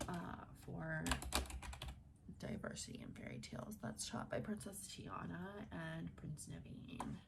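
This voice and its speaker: A woman speaking in a gentle, unhurried, breathy whisper, playing a reassuring student advisor in an ASMR roleplay. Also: lowish voice, very noisy.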